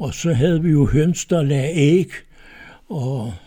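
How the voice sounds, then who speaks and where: A man with a fairly high pitch speaks in a dark, mellow, somewhat breathy tone with ordinary pitch variation. The recording is very clean, with a silent background. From Bornholm, Denmark (Ibsker). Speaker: elderly man telling his life story. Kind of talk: life-story interview.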